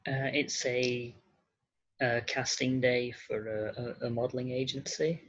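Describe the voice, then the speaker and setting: Podcast guest, husky mid-pitched voice, hesitant casual delivery, dull lo-fi recording. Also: little pitch movement, fairly bright tone. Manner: hesitant, halting, repeating words. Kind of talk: casual interview chat. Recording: dull, muffled lo-fi sound.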